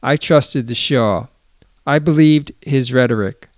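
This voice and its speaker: A man reading the part of a broken, secretive elderly exile with a low, hoarse voice. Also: unhurried, no room sound, clean studio sound, close to an everyday voice. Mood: somber.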